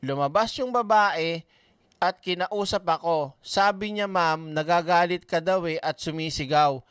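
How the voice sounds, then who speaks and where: A man's voice: a little high, measured pace, fairly bright tone, clear, resonant tone, dry recording, studio quality. A man doing casual ranting commentary, blunt and swearing often, reading viewer comments aloud. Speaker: online commentator.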